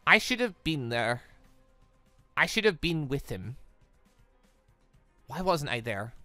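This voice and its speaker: A woman plays a brooding young maiden, self-reproaching yet defiant. Her delivery is dramatic and lively in pitch, with faint music underneath. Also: slow, no echo, heavily acted. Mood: despairing.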